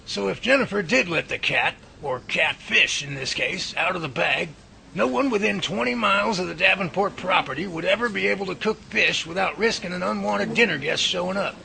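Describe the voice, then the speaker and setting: A man playing an earnest, guarded professor in a radio drama, with a folksy, deliberate delivery. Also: sits high, vocal fry, sharp tone, exaggerated voice, poor audio. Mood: reassuring. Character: earnest, guarded male professor researching Bigfoot. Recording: faint background noise.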